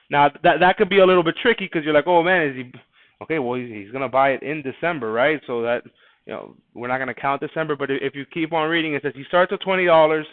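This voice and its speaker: A man's voice: on the high side, no echo. A man teaching a math class, going over quiz answers in a casual, chatty way and often restarting his words. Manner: casual, conversational, repeats words while thinking. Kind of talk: classroom lesson reviewing a quiz. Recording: dry, phone-like narrow sound.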